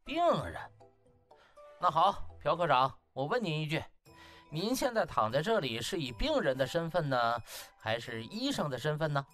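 A man performs a brash young doctor in a comic audiobook. He is smug and falsely friendly, his pitch leaping about as he gloats, with faint music behind. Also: very animated, normal speed, fairly bright tone. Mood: smug, mocking. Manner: gloating, chuckling, exaggerated exclamations. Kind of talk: comic audiobook character acting.

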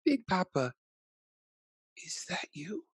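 A man's voice: sits high, big pitch swings, slow pace, husky, no echo, clean studio sound, pitched above the performer's own voice, exaggerated voice. A man voicing an anxious, tender little boy in a storybook, asking questions in a plaintive, curious way. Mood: puzzled.

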